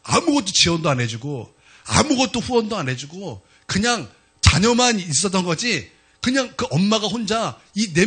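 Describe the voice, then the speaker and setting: A male pastor telling a story in a sermon, animated and acting out the voices of the people in it. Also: sits high, breathy edge.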